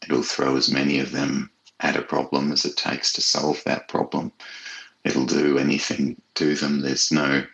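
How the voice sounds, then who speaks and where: A man being interviewed as an author, speaking in a thoughtful, measured and hesitant conversational way. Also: rumbling low, completely flat delivery, creaky, fairly bright tone, low-quality recording.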